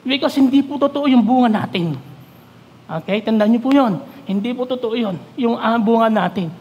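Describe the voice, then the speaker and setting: A Filipino man preaching from the pulpit in a high voice, his words trailing off into a long church-hall reverb. He reads scripture slowly and deliberately, then breaks off to put questions straight to the congregation. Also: lo-fi sound. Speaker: pastor. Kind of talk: Taglish sermon.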